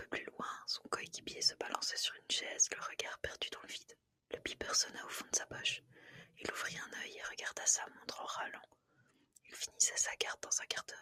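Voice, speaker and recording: The voice is whispering in a calm tone. The pace is moderate. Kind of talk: whispered audiobook-style reading of a novel. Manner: whispered, soft, calm.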